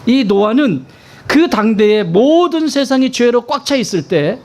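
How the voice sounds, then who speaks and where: Man, pastor, sermon, high voice, swooping intonation, emphatic, asks questions. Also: very animated, measured pace, darkish tone. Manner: conversational, asks the congregation questions.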